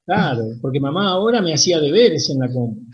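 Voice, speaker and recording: A man with a Rioplatense Spanish accent tells an anecdote in a casual interview and voices the people in his story. His voice is a little high for a man. The recording sounds dull and lo-fi. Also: lively intonation, quick pace. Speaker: guest engineer.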